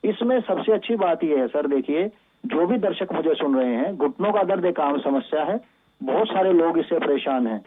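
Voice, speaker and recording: A man's voice: a little high, expressive, normal speed, husky. A man speaking as an expert doctor on a call-in show, patiently explaining medical advice and mixing in English medical terms. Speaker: doctor, physiotherapy expert guest. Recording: thin phone-like band-limited line.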